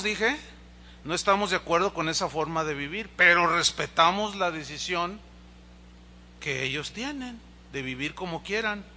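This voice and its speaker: A man preaching a sermon as pastor, animated and acting out dialogue with rising and falling pitch.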